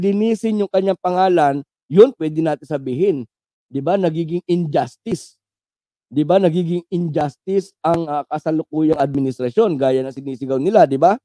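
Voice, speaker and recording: A man's voice: high-pitched, warm tone, no echo. A man from the Philippines giving casual live political commentary, talking to viewers as friends with constant tag questions, sliding English phrases in, and a mocking, sarcastic edge. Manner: mixes English phrases into his talk.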